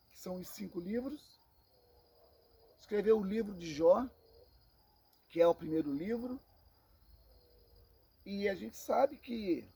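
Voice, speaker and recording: Slow gravelly Brazilian preacher man. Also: sits high, dark tone. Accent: Brazilian Portuguese. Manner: slow emphatic preaching, repeats phrases, addresses listeners as brothers. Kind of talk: Bible teaching sermon.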